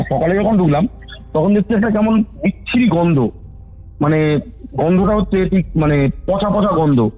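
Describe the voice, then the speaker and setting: Male caller, 30s, narrates a personal account over a phone-like line, restarts often. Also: on the high side. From West Bengal, India. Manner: rambling, self-correcting, quotes others. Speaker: caller telling a ghost story. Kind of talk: phone-call storytelling. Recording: phone-line recording with faint music.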